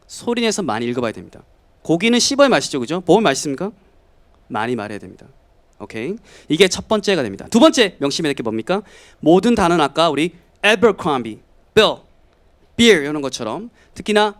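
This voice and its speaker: A man in his thirties from South Korea giving a lively lecture to students, often acting out quoted voices. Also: a little high. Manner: animated, acts out students and family in quoted voices. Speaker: English lecturer.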